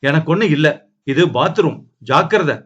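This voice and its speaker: A man voicing a shy, teasing young woman who talks quickly and playfully. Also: on the high side, animated, fairly bright tone, slightly rough, dull audio.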